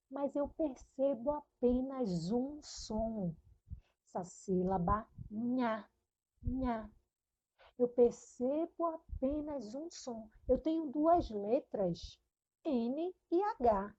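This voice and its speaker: A woman teacher giving a recorded lesson to children, speaking slowly and patiently, repeating sounds and asking questions, with a Brazilian Portuguese accent. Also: a little high, warm tone, breathy edge, dull audio. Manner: slow, patient, repeats syllables and asks questions. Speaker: primary school teacher.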